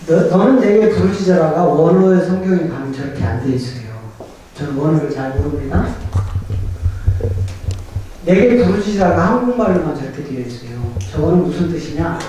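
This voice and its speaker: A man's voice: fairly high pitch, moderate pace, long pauses, slight background noise. A middle-aged male pastor preaching a humorous seminar sermon, acting out prayers and quizzing the audience. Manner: animated, joking, acts out prayers and quotes; asks the audience questions and waits for replies. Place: church hall at a pastors' seminar. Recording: echoey hall from far off.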